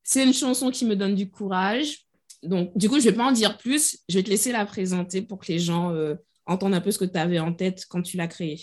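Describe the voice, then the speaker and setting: Woman host, casual, eager fan energy, mid-pitched voice. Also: fairly quick. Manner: enthusiastic, animated, self-described fangirl. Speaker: podcast host. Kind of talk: casual chat.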